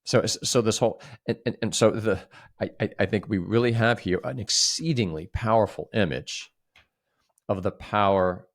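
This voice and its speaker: A man co-hosting a literary discussion, speaking emphatically and haltingly, often repeating words as he reflects. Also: on the low side. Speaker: co-host.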